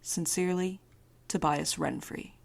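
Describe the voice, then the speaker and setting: A woman's voice: fairly low pitch, steady tone, measured pace, gravelly. A woman playing a wry, weary, sarcastic young courier in an audio drama. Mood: weary, muttering.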